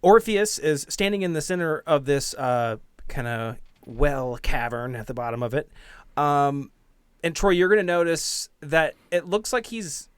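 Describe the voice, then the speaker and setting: A man narrating a tabletop game as game master in an informal, halting, self-deprecating way, improvising as he goes. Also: medium pitch, clean tone, no echo. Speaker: game master and podcast host. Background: background music.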